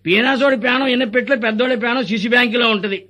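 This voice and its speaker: A man performing a comic hospital sketch, bossy and mocking in rapid back-and-forth banter. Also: extremely high pitch, sharp tone. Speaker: comic actor playing a corrupt hospital doctor.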